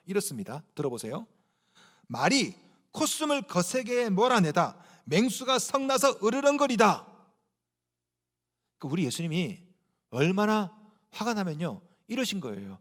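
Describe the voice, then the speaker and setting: A male pastor preaching a sermon in a lively, humorous and colloquial way. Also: high-pitched, long reverb tail. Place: church sanctuary.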